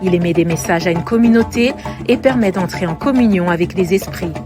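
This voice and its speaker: A woman reporter reading a scripted news feature narration in a measured, lyrical way. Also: lowish voice. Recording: voice-over with music bed.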